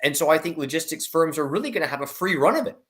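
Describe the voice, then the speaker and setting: A man's voice: fairly high pitch, lively intonation, quick pace, fairly bright tone. Emphatic man giving market commentary. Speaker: investment analyst guest. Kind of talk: market commentary in an online discussion.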